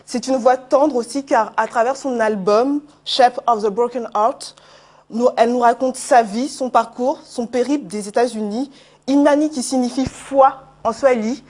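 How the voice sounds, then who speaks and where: A woman with a fairly high voice presents a music segment on a TV news set. Her delivery is lively and flowing, with the odd filler as she goes. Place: TV studio.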